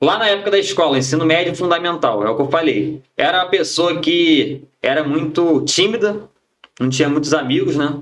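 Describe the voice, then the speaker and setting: A man with a fairly high voice speaks at a moderate pace with ordinary pitch variation. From Brazil. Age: 20s. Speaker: bank employee; podcast guest. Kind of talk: casual chat. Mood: relaxed, storytelling. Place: studio. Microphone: studio mic.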